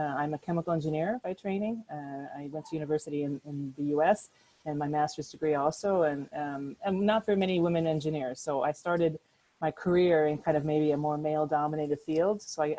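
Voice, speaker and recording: Low-voiced American woman presenting from home. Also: dark tone, poor audio. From United States. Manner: conversational, hesitant restarts with many fillers. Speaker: workshop speaker. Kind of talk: presentation over a video call. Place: apartment at home. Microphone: video call.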